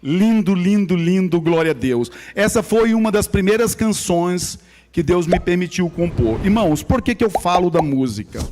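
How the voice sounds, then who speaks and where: A man's voice: high-pitched, expressive, moderate pace, darkish tone. A man from Maranhão in Brazil, with a local accent, tells his personal testimony to a church congregation in a conversational storytelling way. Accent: Maranhão Brazilian Portuguese. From São Luís, Maranhão, Brazil. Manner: conversational storyteller, speaks directly to the audience. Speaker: guest speaker at church.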